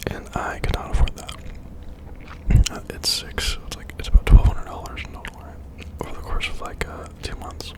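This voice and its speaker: Breathy, fully whispered ASMR rambler. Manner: informal, halting, confiding, with frequent tag questions. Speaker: ASMR creator.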